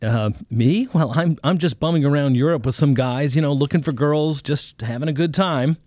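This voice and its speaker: A nervous young student, played by a male reader, stammering and tripping over his words in a higher, hesitant voice. The sound is dry and close. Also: normal speed, darkish tone, no room sound, natural voice.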